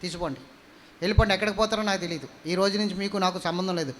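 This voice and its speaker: A man's voice: sits high, very fast, a little hiss or hum, close to an everyday voice. A man voicing a stern husband curtly sending his second wife and child away, in a sermon retelling. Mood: dismissive. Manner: curt, dismissive.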